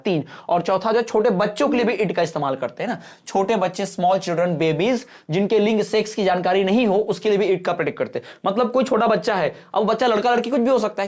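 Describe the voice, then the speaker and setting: A male exam-prep teacher with a high voice gives an online lesson in a mix of Hindi and English. He explains patiently and keeps checking whether his students have understood.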